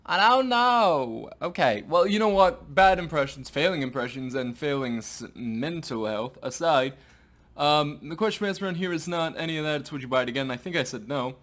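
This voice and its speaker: A man reviewing snacks in a casual vlog, chatty and animated with playful asides. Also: a little high, brisk.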